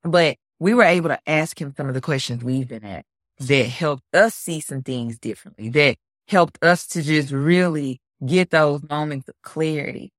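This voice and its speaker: A woman with a deep voice co-hosting a podcast, chatting in an upbeat, energetic way close to her mic. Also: normal speed, dry recording. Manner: upbeat, energetic, says "like" often. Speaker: podcast co-host. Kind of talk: casual podcast chat.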